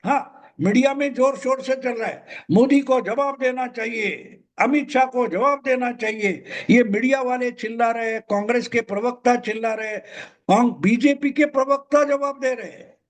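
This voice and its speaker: Older man, high emphatic commentary. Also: normal speed. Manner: emphatic, repeats points. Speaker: political commentator. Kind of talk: solo political commentary.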